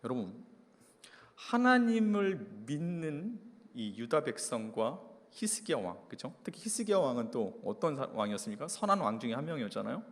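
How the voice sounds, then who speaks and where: Animated male pastor in a reverberant church. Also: mid-range voice. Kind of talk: sermon. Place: church hall. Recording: long church-hall reverb.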